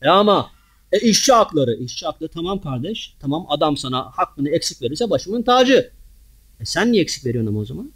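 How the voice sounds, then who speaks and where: A man giving a Friday sermon in a mosque, preaching in a lively way and throwing rhetorical questions at the congregation. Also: fairly high pitch, brisk, breathy edge.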